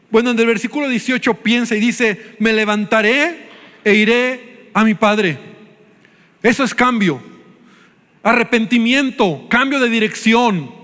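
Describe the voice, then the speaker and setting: High-voiced Mexican pastor preaching in a hall. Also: male voice. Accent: Mexican Spanish. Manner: animated preaching, acting out quoted voices. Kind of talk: sermon. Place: church hall. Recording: live church hall with reverb and faint music.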